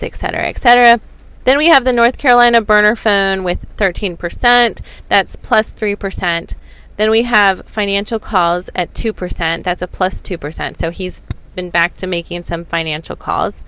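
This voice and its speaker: A woman's voice: medium pitch, bright, forceful tone, clean tone, no echo. A woman hosting an online video, giving informal commentary and explaining things to viewers step by step. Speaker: host of a true crime video channel. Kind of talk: informal commentary going through figures for viewers.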